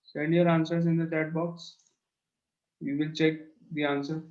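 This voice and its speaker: A man's voice: a little high, level tone, a little slow, a little mellow. A male maths teacher with a South Asian accent leading an online class, prodding pupils and repeating his instructions. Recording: dull lo-fi online call audio.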